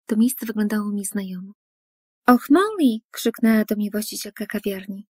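Female storyteller with a husky, mellow voice for an animated first-person story, earnest, dry studio read. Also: medium pitch, fairly quick, dry recording. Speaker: narrator.

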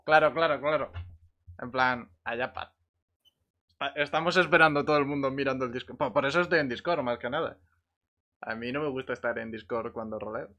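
A man from Spain chatting casually as a gaming streamer. His voice is bright and forceful at a medium pitch. He is jokey and excitable with his group. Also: a little fast, dull audio. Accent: Spanish, from Spain. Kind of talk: casual gamer banter in voice chat.

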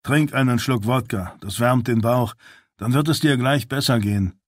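A man's voice: medium pitch, normal speed, no echo, studio quality, lightly acted. A man voicing a caring male officer who tends to a wounded friend in an audiobook. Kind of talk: audiobook character voice.

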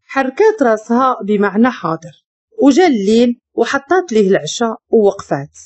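A woman with a Moroccan Arabic accent narrating a dramatic story in an expressive, emotional way. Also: fairly high pitch, fairly quick, dry recording.

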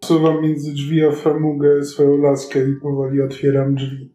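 A man's voice: fairly high pitch, monotone, normal speed, dark tone, slight background noise. A man taking part as a player in a tabletop game, describing his character's actions. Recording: roomy echo, faint music behind. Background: faint background music.

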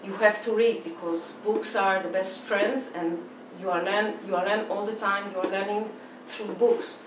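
A woman's voice: medium pitch, fairly even intonation, moderate pace, reverberant. Israeli woman, 40s, interview guest, careful and searching for words, distant mic, faint hiss. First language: Hebrew. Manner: thoughtful, restarts phrases often. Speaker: artist guest. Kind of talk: interview answers. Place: indoor room with plain walls.

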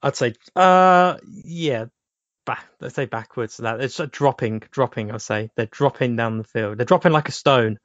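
A man's voice: medium pitch, moderate pace, a bit bright, no room sound, highs cut off. Hesitant man on a panel. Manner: hesitant, thinks aloud with fillers. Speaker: podcast panelist. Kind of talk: casual motorsport panel chat.

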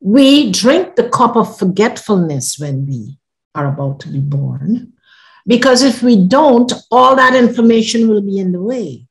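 An older woman from Guyana, a podcast guest earnestly telling a personal story on a video call from her living room, her phrases often fading softly at the end. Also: mid-range voice, lively intonation, unhurried, rough recording.

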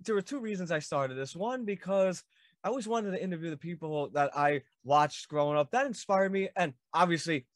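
A man's voice: fairly high pitch, brisk, no room sound, clean studio sound. A man in his thirties hosting a video-call interview, eager and fan-like, with frequent stumbles and restarts. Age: 30s. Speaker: podcast host.

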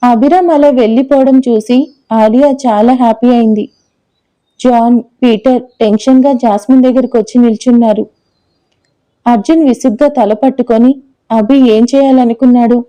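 A woman narrates a scripted romantic audio story with steady, expressive delivery. Her voice sits a little high yet sounds dark and mellow. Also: rough recording.

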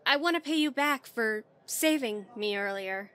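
High, bright, flirty waitress, played by a woman. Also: animated, moderate pace. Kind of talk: comic dub voice acting. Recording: music bed under the voice.

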